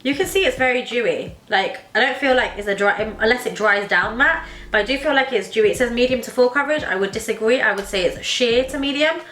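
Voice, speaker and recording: A young woman vlogging a makeup tutorial, her voice bright and a little high, with a slight hay-fever wheeze. She chats enthusiastically, scattering fillers. The room adds a noticeable echo around her. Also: quick pace, hardly any pauses. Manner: chatty, enthusiastic, many "like" fillers. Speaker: beauty vlogger. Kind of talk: casual makeup tutorial chat. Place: home makeup room, indoors.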